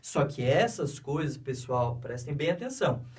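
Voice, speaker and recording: A man's voice: medium pitch, sing-song, moderate pace, a little mellow, recorded from a distance. A man with a Brazilian Portuguese accent teaching an English grammar lesson, patiently repeating each step and checking that students follow.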